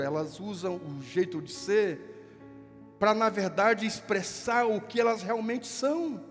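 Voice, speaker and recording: High-voiced southern Brazilian pastor preaching. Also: male voice, in a large hall. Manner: conversational storytelling, acts out dialogue. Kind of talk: sermon with anecdotes. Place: church.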